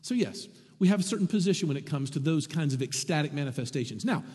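A man preaching a sermon to his congregation, lively and animated, with wry asides. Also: a little high, fast talker, slightly rough, big-room sound. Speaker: pastor.

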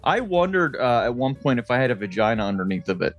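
A man of medium pitch chats as a podcast co-host. His style is casual and comedic, with a crude, joking streak. Faint music plays behind him. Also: sing-song, fast talker, lo-fi sound.

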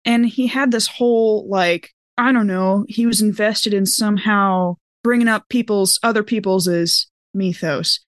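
A woman playing a tabletop role-playing game, chatting casually and in an animated, interjecting way. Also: mid-range voice, unhurried, hardly any pauses, no room sound. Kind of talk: casual improvised in-character game chat.

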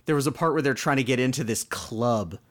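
A man's voice: medium pitch, a little fast. A man with a Canadian accent, chatting casually as a podcast co-host about a show he watched. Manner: animated, mock voices when quoting. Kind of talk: casual chat reviewing a show.

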